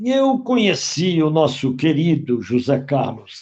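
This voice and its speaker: A man's somewhat breathy, dark, mellow voice, fairly high in pitch, with very wide pitch swings and a very slow pace. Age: 70s. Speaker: journalist and writer. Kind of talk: tribute testimony.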